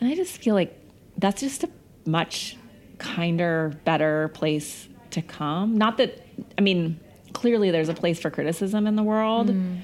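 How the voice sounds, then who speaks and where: The speaker has a Northwest US accent, a moderate pace and ordinary pitch variation. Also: woman, medium pitch for a woman. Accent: American (Northwest). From Montana, US. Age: 30s. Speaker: media executive. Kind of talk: casual interview.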